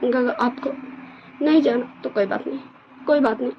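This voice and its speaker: A woman voicing a soft-spoken young man who reassures his friend. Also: fairly high pitch, normal speed, highs cut off, a little hiss or hum, voice pushed up, lightly acted. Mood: gentle.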